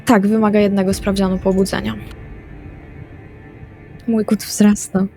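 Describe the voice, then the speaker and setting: A woman plays a tabletop role-playing game as a player, stating her actions and discussing the rules. Her medium-pitched voice is flat, unhurried and dark in tone. Background music runs under her voice.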